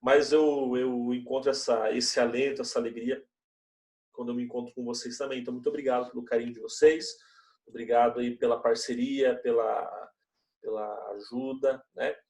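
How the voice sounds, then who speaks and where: A man's voice: medium pitch, steady tone, moderate pace, creaky, a little mellow. Chatty young male teacher, echoey room. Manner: conversational, chatty, frequent "né?". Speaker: religious education teacher. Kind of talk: classroom talk to students. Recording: echoey room, mic at a distance.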